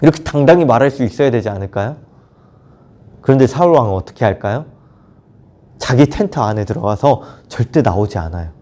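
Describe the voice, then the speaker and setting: Lively young man preaching to kids. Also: mid-range voice, brisk, pauses often. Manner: animated, acting out characters' lines for kids. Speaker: children's ministry pastor. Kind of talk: children's sermon storytelling. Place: church, recorded alone. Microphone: camera mic, unmasked solo recording.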